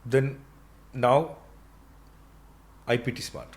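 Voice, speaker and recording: A middle-aged man speaks with an Indian accent as a podcast guest. His voice sits at an average pitch. He talks conversationally, explaining step by step and repeating phrases to stress them. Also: little pitch movement, extremely slow. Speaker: entrepreneur interview guest.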